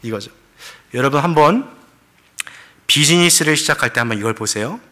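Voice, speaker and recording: A man's voice: fairly high pitch, expressive, normal speed, bright, forceful tone. A man preaching a sermon as pastor, telling the story with questions to the congregation and English words mixed in. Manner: mixes English words into Korean.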